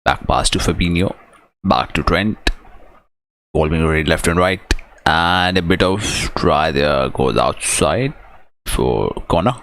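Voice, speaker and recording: Very deep male voice, South Asian accent, football stream host, live watch-along commentary, short fragmented phrases. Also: slow pace, fairly bright tone, slight background noise.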